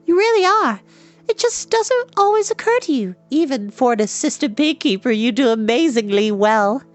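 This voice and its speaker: A man's voice: extremely high pitch, very animated, normal speed, pitched above the performer's own voice. A man voicing a spirited, talkative young girl who teases and scolds. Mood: teasing chatter.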